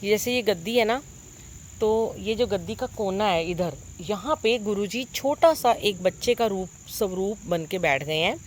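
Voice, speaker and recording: A woman's voice: mid-range voice, animated, a little hiss or hum. Earnest middle-aged woman telling a dream. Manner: earnest, wonder-struck, pauses with many fillers. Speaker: devotee sharing a dream with a congregation. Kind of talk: devotional storytelling. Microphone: phone propped nearby.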